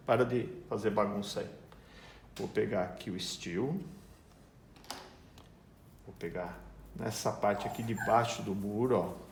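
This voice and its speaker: In a darkish, mid-range voice, a man with a Brazilian Portuguese accent talks casually through a step-by-step painting tutorial from his home garage, explaining each move and speaking to his dog. The dog whines and barks throughout. There's reverb on the recording and a little hiss or hum.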